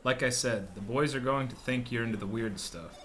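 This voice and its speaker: A man acts out a bitter police evidence clerk in a radio play. His mid-pitched voice is dry, deadpan and sarcastic. A little noise sits in the background. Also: normal speed, close to an everyday voice. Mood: dry, mocking. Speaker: actor in a sci-fi radio drama. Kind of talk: radio drama acting.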